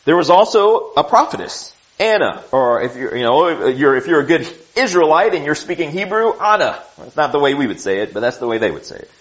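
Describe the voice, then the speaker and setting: Animated man preaching, lo-fi. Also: on the high side, fairly quick, few pauses. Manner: conversational, animated, with asides and restarts. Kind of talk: sermon teaching through scripture. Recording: dull lo-fi recording.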